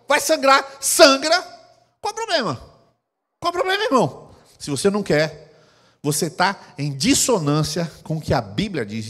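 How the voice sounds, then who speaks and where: A male Brazilian pastor delivers an emphatic sermon, his high voice swinging widely in pitch. He preaches with sudden loud bursts. The sound rings out in a church hall with a long echo. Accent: Brazilian Portuguese.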